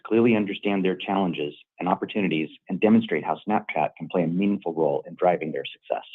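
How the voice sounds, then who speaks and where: A low, rough-edged male voice comes over a narrow phone-like line. He is an operations executive presenting prepared remarks on an earnings call in a formal manner. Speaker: chief operating officer. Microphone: conference call line.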